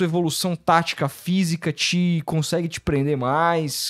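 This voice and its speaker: Against a quiet background, a man speaks at a high pitch and a moderate pace. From Brazil. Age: 30s. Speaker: football podcast host. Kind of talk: casual interview chat. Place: studio. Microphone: studio mic.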